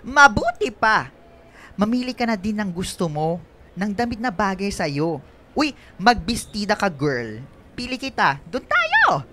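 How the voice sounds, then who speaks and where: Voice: medium pitch, huge pitch swings, a little slow, bright, forceful tone, full character voice. A performer with a Filipino accent playing a flamboyant, bossy young gay man in a radio drama, sassy and campy with affectionate teasing.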